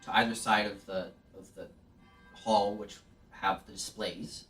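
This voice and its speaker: A man's voice: lowish voice, steady tone, a little slow, fairly bright tone, faint music behind. A man narrating a tabletop game as game master, hesitant and full of restarts. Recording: distant mic, faint background noise.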